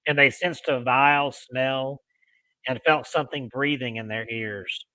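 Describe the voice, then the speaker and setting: A man hosting a paranormal show, reading ghost stories aloud in deliberate phrases with casual asides. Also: mid-range voice, fairly even intonation, sharp tone, no echo, rough recording. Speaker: host of a paranormal storytelling show.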